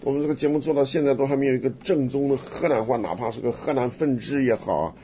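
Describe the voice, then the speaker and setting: A man from Henan hosting a Christian radio talk show, lively and teasing, often laughing. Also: mid-range voice, quick pace, dull audio, a little hiss or hum. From Henan, China. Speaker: radio host.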